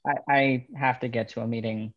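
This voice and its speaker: A man's voice: medium pitch, fairly even intonation, brisk, muffled recording, natural voice. A man reading a polite, hesitant young male newcomer at a screenplay table read. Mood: puzzled.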